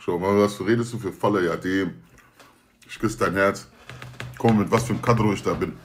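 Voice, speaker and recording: A man's voice: low voice, steady tone, moderate pace, faint music behind. A young man talking casually to viewers on a livestream, slangy and joking, often swearing oaths. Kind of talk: casual stream chat.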